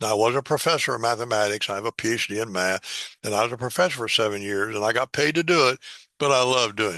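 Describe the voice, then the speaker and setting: Over a quiet background, a man speaks at a very fast pace in a bright, sharp tone at medium pitch with ordinary pitch variation, the sound dry and close with no echo. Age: 80s+. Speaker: retired math professor and education entrepreneur. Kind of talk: direct-to-camera promotional talk. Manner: energetic; conversational with fillers.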